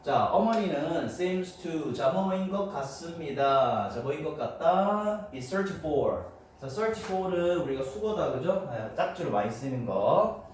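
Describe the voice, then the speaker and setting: A man's voice: fairly high pitch, lively intonation, takes it slowly, darkish tone. A male teacher giving a classroom lecture on English grammar, explaining step by step and checking in with students. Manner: explains step by step, often asking students for agreement. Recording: roomy, distant, noisy room mic.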